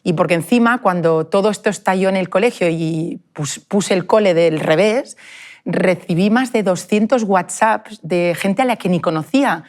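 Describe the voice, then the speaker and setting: A woman, a parent telling her family's experience in an earnest, emotional way, often halting and restarting. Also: fairly low pitch, a little mellow. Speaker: parent of a bullied child. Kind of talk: personal testimony in a group conversation.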